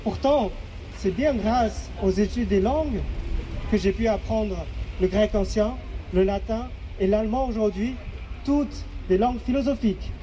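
A young man from Inner Mongolia in China, whose first language is not French, giving a slow, halting and earnest personal testimony at a public event. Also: sits high, dark tone, a little hiss or hum, rough recording. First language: a language of his home village.

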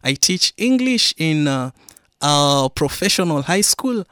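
A man's voice: fairly high pitch, sing-song, slow, fairly bright tone, smooth, no echo, studio quality. A young man from Kenya, a Swahili native speaker, answering a radio interview as a musician and English teacher, speaking carefully in a second language. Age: young adult. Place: radio studio.

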